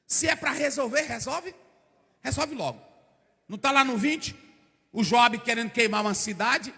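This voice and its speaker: Man, pastor, lively sermon, bright husky voice, long hall reverb. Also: extremely high pitch, normal speed. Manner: animated storytelling, acting out characters, shouting bursts. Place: church hall.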